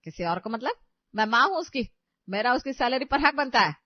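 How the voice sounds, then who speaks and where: A woman's voice: on the high side, expressive, a little fast, no room sound, lightly acted. A woman voicing an aging, long-suffering mother-in-law in a cartoon story, who pleads and scolds in exasperation. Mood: scolding. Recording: dry, slightly dull audio.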